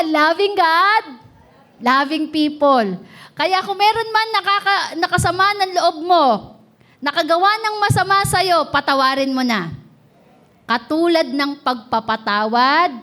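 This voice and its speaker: A woman pastor with a Filipino accent preaching a sermon in a church service, asking the congregation frequent rhetorical questions and slowing down to stress key words. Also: very high-pitched, fairly bright tone. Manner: preaching with rhetorical questions, switching between Tagalog and English.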